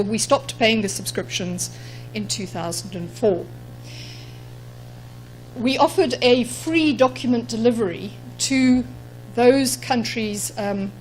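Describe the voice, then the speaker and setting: A woman's voice: medium pitch, slight background noise, rough recording. Zimbabwean woman giving a conference talk. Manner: measured, explanatory, frequent ums. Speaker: conference speaker. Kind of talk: conference presentation. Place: conference room.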